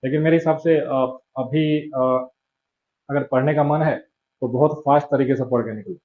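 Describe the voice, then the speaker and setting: A man's voice: medium pitch, steady tone, moderate pace, narrow, tinny audio. A male teacher gives exam advice in a conversational coaching-class lecture and keeps checking in his students.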